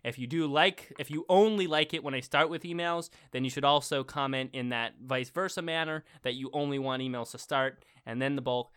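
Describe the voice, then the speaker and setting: A man's voice: medium pitch, fairly quick, hardly any pauses, a bit bright, smooth. A young man co-hosting a podcast, reading listener emails aloud and rambling with lots of fillers, getting worked up about marble racing. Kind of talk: casual chat.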